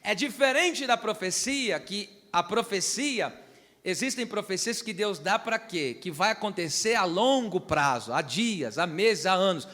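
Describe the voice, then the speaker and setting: A man's voice: sits high, lively intonation, a little slow, fairly bright tone, in a large hall. A man preaching a sermon as pastor, teaching and asking the congregation to repeat after him. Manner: teaching, asks the church to repeat phrases and check understanding. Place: church hall.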